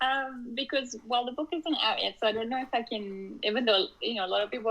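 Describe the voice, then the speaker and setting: A woman talks at a fairly quick pace in a French accent. Her pitch variation is ordinary. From France. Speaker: author. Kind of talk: interview. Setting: podcast.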